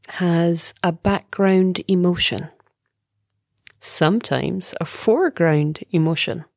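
Slow, breathy woman guiding a meditation. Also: on the low side, no echo, clean studio sound. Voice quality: soft, breathy, often near whisper. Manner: calm, soothing, unhurried with long pauses. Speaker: meditation teacher. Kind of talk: guided meditation.

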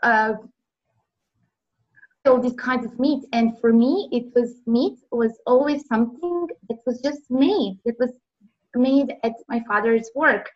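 An earnest woman from Serbia answers interview questions in a slightly high voice, often pausing with "uh" and "um." Her audio comes over a remote call and sounds muffled and lo-fi. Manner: earnest, frequent "uh" and "um" pauses. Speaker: interview guest.

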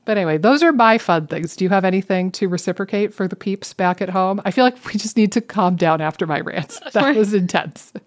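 A woman's voice: medium pitch, a little fast, hardly any pauses. A woman co-hosting a podcast, chatting casually in a playful way with dramatic asides. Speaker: podcast co-host. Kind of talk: casual chat. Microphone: webcam setup.

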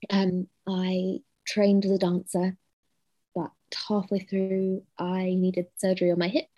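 A woman artist being interviewed over a video call, speaking in an unhurried, hesitant way with many ums. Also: fairly low pitch, completely flat delivery, mellow, no echo, muffled recording. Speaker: guest artist. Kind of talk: casual interview chat.

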